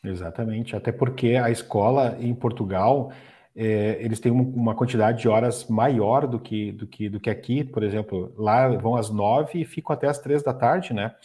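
A man's voice: mid-range voice, moderate pace, warm tone. A middle-aged man, hosting a live stream and reading viewers' questions. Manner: reads viewer questions, agreeable interjections. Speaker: host. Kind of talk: casual chat on a live stream.

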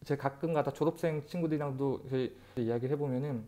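A channel host in his thirties gives casual advice to camera, animated and gesturing a lot, talking directly to viewers with rhetorical questions. He has a mid-range voice and a quick pace, speaking into a wired earphone mic in a bright indoor room by a window.

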